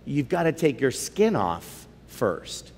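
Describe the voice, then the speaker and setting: Preacher doing a gentle, wise lion, soft and low, with a long hall echo. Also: male voice, sing-song, creaky, husky, exaggerated voice. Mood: gentle, solemn. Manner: slow, low, hushed delivery.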